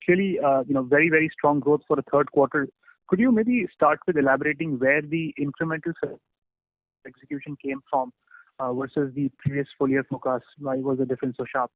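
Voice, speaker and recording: Fast-talking man analyst on phone. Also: on the high side, no room sound. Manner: quick, polite, with fillers. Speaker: analyst asking a question. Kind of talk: conference call question. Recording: dry tinny phone line.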